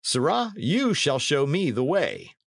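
A man's voice: fairly high pitch, sing-song, takes it slowly, creaky, husky, dry recording, clean studio sound, pitched above the performer's own voice, heavily acted. A man voicing a blustering, mocking middle-aged knight who jeers and guffaws. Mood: jeering. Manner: boisterous, jeering, laughing.

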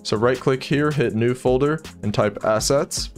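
A young man hosting a coding tutorial, walking through each step in a steady, plain manner, recorded on a desk mic in a small home studio. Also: medium pitch, a little slow, faint music behind. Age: young adult. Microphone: seen studio desk mic on arm.

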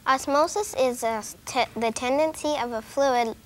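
A woman's voice: high-pitched, normal speed, a little hiss or hum. A teenage girl on a children's science show, earnestly explaining her experiment results step by step. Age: teens. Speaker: student. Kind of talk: answering questions, reporting results. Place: studio kitchen set.

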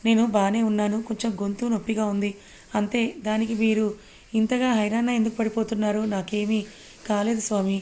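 Steady storybook read of a woman doing a sharp, guarded young wife; keep it level. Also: medium pitch, brisk, close to an everyday voice. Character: young married woman, guarded and quick to anger.

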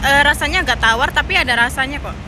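A woman's voice: sits high, quick pace, crowd noise. A woman reviewing street food in a casual vlog, chatting and humming as she tastes with her mouth full. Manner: chatty, tasting and reacting with hums. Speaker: food vlogger. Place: outdoors by a street. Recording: street traffic noise outdoors. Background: street traffic.

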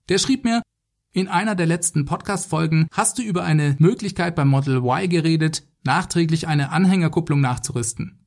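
A man's voice: fairly high pitch, gravelly, a little mellow. A man hosting a solo podcast, giving semi-scripted commentary in a conversational way, speaking directly to his listeners. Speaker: podcast host.

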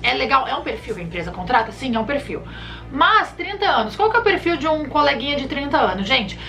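A woman in her thirties from Brazil, a flight attendant giving casual advice to camera with lively gestures, recorded in a bedroom. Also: high-pitched, fast, creaky, soft background music. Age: 30s. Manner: chatty, animated hand gestures, addresses viewers warmly by nicknames. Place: bedroom, indoors. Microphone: camera in front at chest framing.

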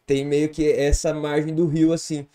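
A man, a podcast guest talking casually, slangy and rambling, with many fillers and restarts, on a close studio boom mic. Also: level tone, normal speed, mellow. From Santa Catarina, Brazil. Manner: gestures a lot with his hands. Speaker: podcast guest, comedian and producer. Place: small podcast studio with bookshelf.

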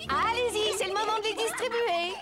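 A woman's voice: very high-pitched, fairly quick. A woman voicing a friendly mother in a children's cartoon, organising small children cheerfully. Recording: loud music behind.

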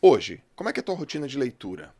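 A man's voice: mid-range voice, wildly swooping pitch, quick pace, warm tone, slightly rough, no room sound. A middle-aged man hosting a casual podcast chat, laid-back and slangy, telling stories with animation. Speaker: host.

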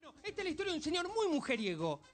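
A man doing a squeaky-voiced Argentine joker. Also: wildly swooping pitch, racing, loud music behind the voice, full character voice. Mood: chatty. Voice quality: high squeaky voice. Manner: rattles through jokes, acts out other characters. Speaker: comedian telling jokes. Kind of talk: stand-up joke telling on a TV show.

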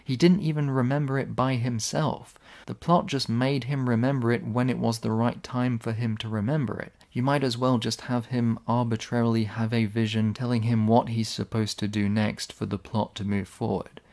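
A man's voice: mid-range voice, level tone, normal speed, vocal fry, a little mellow. A man giving casual, sarcastic video essay commentary. He is blunt, swears when annoyed, and his voice sounds slightly worn.

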